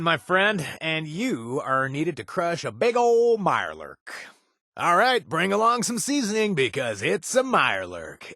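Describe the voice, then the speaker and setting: A man's voice: on the high side, pushed and bright, dry recording, studio quality, heavily acted. An actor playing a laid-back, wisecracking young male mercenary in a video game, talking casually with joking asides and filler sounds. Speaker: quest-giving companion. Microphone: dry studio recording.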